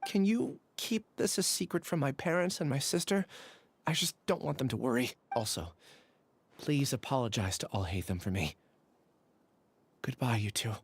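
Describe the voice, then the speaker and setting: An actor playing a gentle, remorseful young man in a video game, soft-spoken and earnest. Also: mid-range voice, animated, moderate pace, slight background noise, lightly acted. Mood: resigned.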